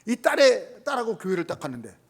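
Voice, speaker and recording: Animated husky preacher, man. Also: high voice, quick pace. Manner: animated storytelling, acting out quoted voices, rising to shouts. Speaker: pastor. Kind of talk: sermon.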